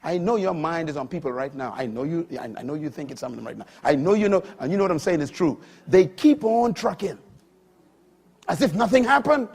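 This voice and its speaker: Older guy preaching, husky, kinda high for a man, gets loud then drops way down. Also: lively intonation, fairly quick. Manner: dramatic swings from loud emphatic peaks to quiet low asides. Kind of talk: sermon.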